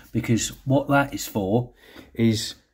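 A man talks fairly slowly, with only a quiet background behind him. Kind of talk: tutorial. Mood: casual, humorous. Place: garage. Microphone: phone near.

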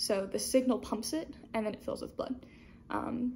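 A woman's voice with vocal fry. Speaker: vlogger. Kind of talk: casual vlog chat. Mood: calm, explanatory. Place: home room. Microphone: phone near.

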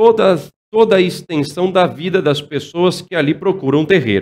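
A man speaks at a fairly high pitch. His voice makes very wide pitch swings. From Brazil. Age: young. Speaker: religious teacher. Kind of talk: lecture. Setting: studio. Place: studio. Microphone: headset.

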